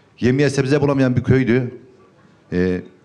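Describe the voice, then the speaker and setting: This man has a dark, mellow tone and a medium pitch. His intonation is lively and his pace moderate. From Turkey, Tokat. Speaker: village headman and farmer. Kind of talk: town-hall chat. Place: hall. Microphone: handheld.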